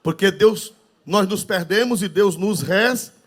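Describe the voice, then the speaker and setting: An older man with a Northeastern Brazilian accent delivers a sermon in a fairly high voice. He preaches fervently, drops to a hush and then rises to a shout, with hallelujahs scattered throughout. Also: slow pace. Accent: Northeastern Brazilian Portuguese. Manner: fervent preaching with frequent hallelujahs, swings from loud to quiet. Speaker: pastor.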